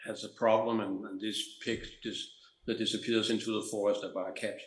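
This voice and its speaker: Over noticeable background noise and audible room echo, a man with a Danish accent talks at a fairly quick pace. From Denmark. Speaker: film director. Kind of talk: interview.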